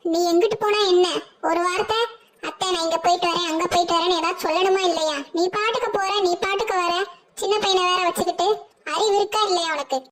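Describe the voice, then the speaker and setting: A nagging cartoon granny. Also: female voice, extremely high pitch, fairly even intonation, fast, fairly bright tone. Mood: scolding. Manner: scolding, nagging, rustic. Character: older grandmother, bossy and scolding mother-in-law.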